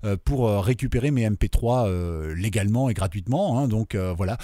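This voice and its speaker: A man with a French accent hosting a casual webradio software tutorial, talking viewers through each step with many fillers. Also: fairly low pitch, lively intonation, brisk, dry recording, clean studio sound. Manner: chatty, many fillers, addresses viewers directly.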